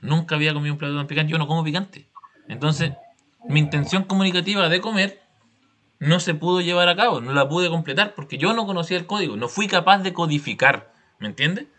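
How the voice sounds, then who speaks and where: A man's voice: on the high side, a little fast, bright, forceful tone. A man with a Chilean accent teaching a class, explaining step by step with examples and frequent check-in questions.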